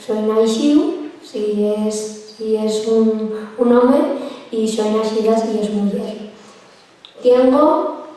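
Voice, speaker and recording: A woman's voice: fairly high pitch, extremely slow, dark tone. A woman in her twenties from Aragon, giving a chatty talk and mini language lesson with many fillers and restarts. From Aragon, Spain. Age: 20s. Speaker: guest speaker teaching a minority language. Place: lecture room. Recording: echoey hall, distant from the mic.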